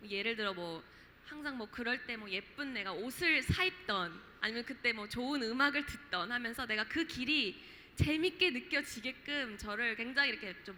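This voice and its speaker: A bright, fairly high-voiced woman in her late twenties from Jeju talks on a festival panel. She is chatty and reflective, with plenty of fillers. Her voice rings through a reverberant hall over faint ambience. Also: slight background noise. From Jeju, South Korea. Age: late 20s. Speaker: panelist, startup founder.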